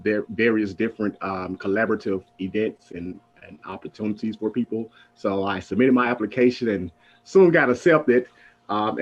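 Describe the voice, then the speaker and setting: A young man in his twenties giving an earnest self-introduction for a mock IT job interview, with frequent filler sounds. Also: lowish voice. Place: home room on video call. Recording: muffled video call audio.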